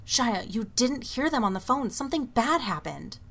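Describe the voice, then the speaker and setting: A woman's voice: a little high, sing-song, normal speed, fairly bright tone, full character voice. A woman playing an anxious, restless young woman in an audio drama, fretful and exasperated. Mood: agitated. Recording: faint noise and room ambience.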